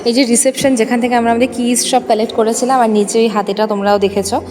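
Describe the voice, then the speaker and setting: A woman vlogging casually and gushing about the place, her voice echoing loudly around the open upper floor of a resort. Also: a little high, fairly even intonation, rapid-fire, background noise. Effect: voice echoing loudly in an open space. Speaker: travel vlogger. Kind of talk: casual travel vlog chat.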